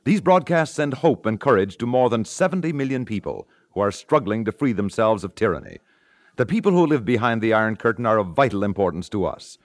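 Animated 1950s American radio announcer, male. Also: on the low side, brisk, no echo, studio quality. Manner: formal, earnest.

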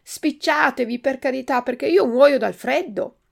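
A restless wooden puppet boy, urgent and pleading, his voice pitched high above plain speech, as a woman puts him on. A gravelly rasp runs underneath. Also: lively intonation, normal speed.

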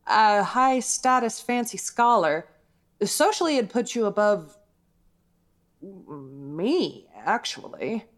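An actress playing a bold, playful, scheming alien woman in a sci-fi audio drama, emphatic and dramatic. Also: mid-range voice. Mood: earnest.

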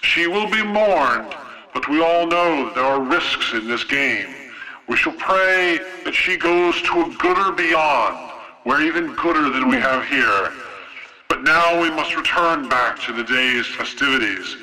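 A man voicing a pompous male arena announcer whose magically amplified, booming voice proclaims grandly over a crowd. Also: lively intonation, measured pace, sharp tone, full character voice, rough recording. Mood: grandiose. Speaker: game master.

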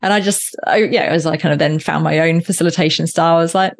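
A woman with a notably low-pitched voice talks as a guest on a workplace learning podcast. She is reflective and thinks aloud, circling back and restarting her sentences in relaxed conversation. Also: quick pace, gravelly. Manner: reflective, with frequent restarts and fillers.

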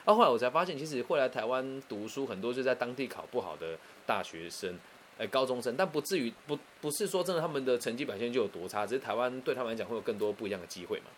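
A man with a Taiwanese Mandarin accent telling a personal story in a chatty, animated way, often restarting and adding asides. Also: medium pitch, very fast, slight background noise.

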